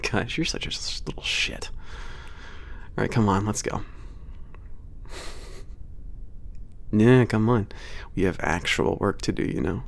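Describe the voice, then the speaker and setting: Man playing a gravelly, deep-voiced, gruff teasing werewolf. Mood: playful bickering. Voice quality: very low, gravelly voice. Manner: casual, sardonic, hesitant pauses, frequent chuckles and swearing. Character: big gruff teasing male werewolf maintenance trainer, secretly caring. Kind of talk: ASMR roleplay audio drama.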